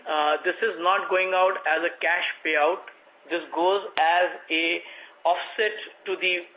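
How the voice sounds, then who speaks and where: A man with an Indian accent, a company executive explaining figures point by point in a measured way on a conference call. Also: on the high side. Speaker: company executive answering analysts. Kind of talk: earnings conference call answers. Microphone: conference call line. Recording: dull, band-limited conference call audio.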